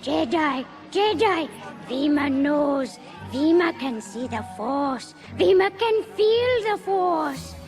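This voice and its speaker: An actress playing a ragged old homeless mystic woman in an audio drama, halting and speaking of herself in the third person. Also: sits high, lively intonation, darkish tone, faint music behind, full character voice. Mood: eerie, awed. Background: orchestral film score.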